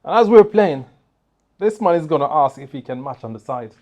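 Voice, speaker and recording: A man's voice: on the high side, lively intonation, a little fast, darkish tone, lo-fi sound. A man from Jamaica co-hosting a podcast, talking in a laid-back way and often checking in with "right?". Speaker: podcast co-host. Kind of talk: casual chat. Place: indoor podcast studio.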